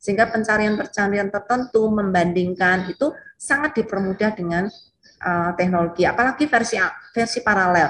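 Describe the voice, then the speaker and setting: This woman speaks with a Javanese accent at a fairly quick pace. Her pitch is medium with ordinary variation, over light background noise. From Central Java, Indonesia. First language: Javanese (speaking Indonesian). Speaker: Bible study trainer; Bible study teacher. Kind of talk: training lecture. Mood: warm, explanatory. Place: home room.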